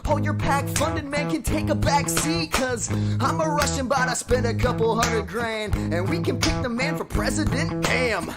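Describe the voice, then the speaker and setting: A woman's voice: high voice, normal speed, hardly any pauses. A woman singing a playful, rhyming comedy song. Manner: playful, sung with rhyming lines. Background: loud guitar music.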